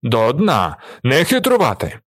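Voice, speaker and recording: A man voicing a brash, red-haired drinking challenger who shouts commands and toasts. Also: low-pitched, moderate pace, dry recording, clean studio sound. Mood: shouting.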